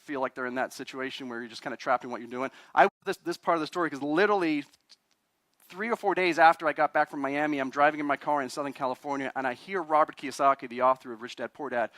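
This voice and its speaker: Fast, chatty man from Chile. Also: a little high, a bit bright, dry recording. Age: 40s. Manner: chatty, quizzes the audience, self-deprecating. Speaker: guest speaker, attorney. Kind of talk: live talk to a meetup audience.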